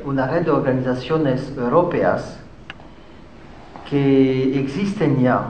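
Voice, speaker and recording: Slow, halting man with French accent. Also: mid-range voice, a little hiss or hum. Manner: halting, searching for words in a second language. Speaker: conference speaker. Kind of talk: public lecture. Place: conference hall. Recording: echoey hall with faint ambience.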